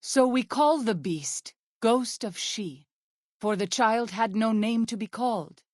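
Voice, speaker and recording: An actress voicing a gentle, devout young tribal woman scout in a video game, speaking in measured, formal phrases with earnest solemnity. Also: medium pitch, dry recording, studio quality. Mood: solemn storytelling. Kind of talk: video game character dialogue.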